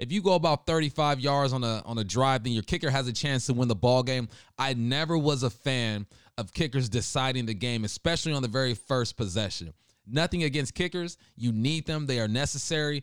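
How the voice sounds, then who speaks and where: On a very clean recording with a silent background and a dry, close sound free of echo, a man speaks at medium pitch in an animated tone, with ordinary pitch variation and a fairly quick pace. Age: 30s. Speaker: podcast host, former NFL wide receiver. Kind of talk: casual sports talk monologue.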